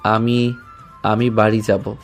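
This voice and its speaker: An actor playing a shy, nervous young man who speaks in a hesitant, halting way in an audio drama. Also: on the low side, level tone, faint music behind. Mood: flustered.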